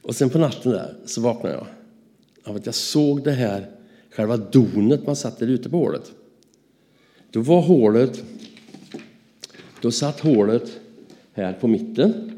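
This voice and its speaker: A Swedish man giving a lively Christian testimony as a story, acting out the dialogue. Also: mid-range voice. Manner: animated, acts out dialogue in his stories. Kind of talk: anecdotal storytelling.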